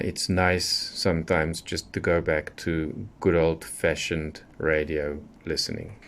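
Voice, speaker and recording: A man giving a casual, unscripted product review in a measured, matter-of-fact way with pauses between short phrases. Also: low-pitched. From South Africa. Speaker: radio hobbyist presenter.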